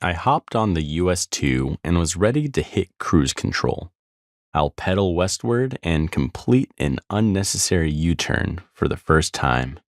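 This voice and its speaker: A man's voice: sits low, sing-song, measured pace, no echo, clean studio sound. A man reading his own travel memoir as scripted audiobook narration.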